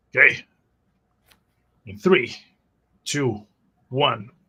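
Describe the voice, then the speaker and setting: A raspy, put-on character voice from a man at medium pitch. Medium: actual play. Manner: casual, wry, coaching.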